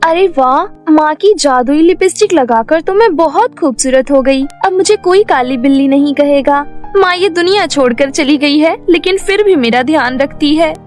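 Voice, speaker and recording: A woman voicing a meek, kind young orphan girl working as a maid in a cartoon story, speaking gently and pleadingly. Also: high-pitched, normal speed, soft background music, natural voice. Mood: wondering.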